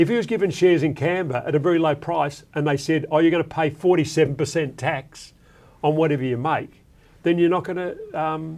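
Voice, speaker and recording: A man speaks with an Australian accent at a fairly quick pace. His pitch is fairly high and his intonation fairly even. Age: 60s. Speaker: investor. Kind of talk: interview. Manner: halting.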